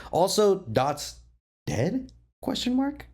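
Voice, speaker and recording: A man's voice: high voice, wildly swooping pitch, takes it slowly, a little mellow, slightly rough. A man moderating a casual roundtable, rambling enthusiastically and often interrupting his own questions. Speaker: podcast moderator and lore keeper.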